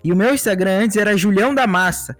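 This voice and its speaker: A Brazilian man with a moderately high voice hosts a podcast in a casual, conversational way. Music plays behind him. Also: quick pace, fairly bright tone. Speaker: podcast host.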